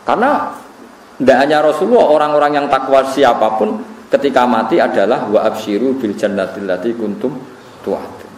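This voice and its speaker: A man's voice: medium pitch, darkish tone. A man from Central Java with a Javanese accent, teaching Quran commentary as a cleric, telling stories animatedly with chuckling asides. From Central Java, Indonesia. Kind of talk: religious study lecture. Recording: roomy, distant recording with faint hum.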